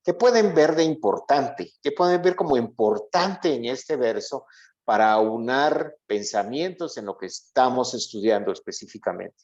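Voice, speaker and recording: A man with a medium-pitched voice teaches the Bible to a congregation. He explains in a didactic way and often stops to ask short checking questions. The recording is dull and lo-fi. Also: expressive, moderate pace, a little mellow. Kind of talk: interactive Bible lesson to a congregation. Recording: dull, lo-fi, muffled audio.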